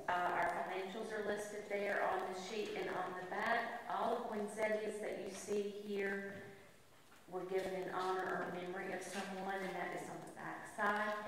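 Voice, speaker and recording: Strong room echo and noticeable background noise fill the recording. A woman speaks at a moderate pace with monotone, flat intonation. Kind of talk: church announcements. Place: church.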